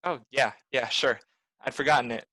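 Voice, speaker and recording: A man's voice: mid-range voice, fairly even intonation, normal speed, bright, forceful tone, no room sound. A man acting a cynical, wisecracking tough private detective in a film noir radio play, with clipped, nonchalant talk. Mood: wry, guarded. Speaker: actor, lead and narrator.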